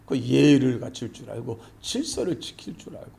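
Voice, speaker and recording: A man's voice: mid-range voice, big pitch swings, brisk, gravelly, darkish tone. A male pastor preaching a sermon, emphatic and repeating key phrases, often acting out quoted dialogue.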